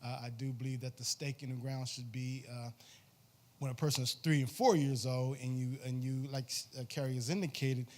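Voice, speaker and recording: A man with a mid-range pitch introduces himself formally at a conference floor microphone. His delivery is measured and polite. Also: steady tone, a little mellow. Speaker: city council member asking a question.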